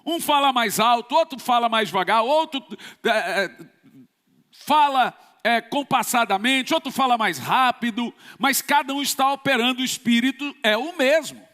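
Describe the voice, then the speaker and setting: High, forceful preaching man in reverb. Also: lively intonation, moderate pace. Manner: emphatic, forceful preaching with sudden bursts. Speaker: pastor. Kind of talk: sermon. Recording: long church reverb.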